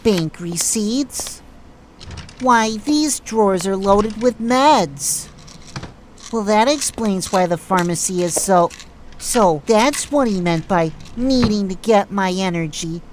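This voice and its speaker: A woman playing a nosy, indignant amateur snoop in an audio drama, speaking expressively and deliberately. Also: medium pitch, slight background noise. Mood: suspicious discovery. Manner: expressive, deliberate, talks aloud to herself.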